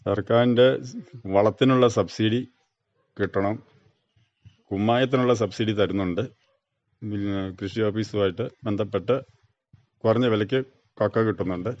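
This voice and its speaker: Low-voiced older man, dull sound. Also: steady tone, moderate pace, long pauses, a little mellow, no echo. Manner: plain, brief, factual answers. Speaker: retired farmer being interviewed. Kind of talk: interview answers. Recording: dull, muffled radio recording.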